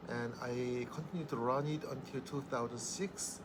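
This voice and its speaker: A medium-pitched man with a Korean accent at a moderate pace, amid noticeable background noise and audible room echo. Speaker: business owner. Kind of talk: interview. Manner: halting.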